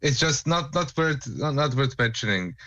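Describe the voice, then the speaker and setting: Halting man with a Serbian accent. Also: medium pitch, lively intonation, a loud crowd. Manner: halting, repeats words. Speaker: music reviewer on a show. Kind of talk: casual chat, giving track feedback.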